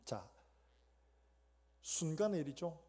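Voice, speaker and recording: A man's voice: on the high side, big pitch swings, slow pace, mellow, breathy edge. A man preaching a sermon as pastor, with a Gyeongsang accent, who asks the congregation questions and acts out scenes.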